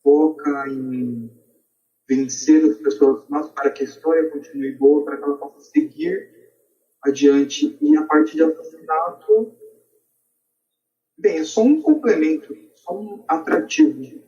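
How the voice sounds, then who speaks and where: A man's voice: fairly high pitch, lively intonation, measured pace, warm tone, lo-fi sound. A man with a Brazilian accent arguing his point in a casual podcast discussion, quoting others as he explains. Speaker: podcast debate participant. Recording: echoey room, distant from mic.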